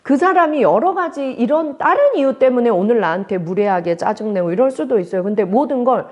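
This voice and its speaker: A woman's voice: on the high side, animated, brisk, highs cut off. A woman counselor and professor explaining psychology in a conversational talk, acting out people's inner thoughts as she goes. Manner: explanatory, animatedly acts out quoted thoughts.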